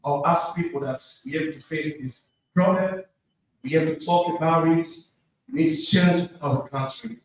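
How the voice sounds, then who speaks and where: A man from DR Congo with a Congolese French accent speaks halting English in an impassioned speech from the audience floor, repeating phrases for emphasis. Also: a little high, expressive. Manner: halting, non-fluent English with repetition for emphasis. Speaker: audience member at a conference. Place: large indoor conference room. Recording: very echoey hall, distant mic, faint noise.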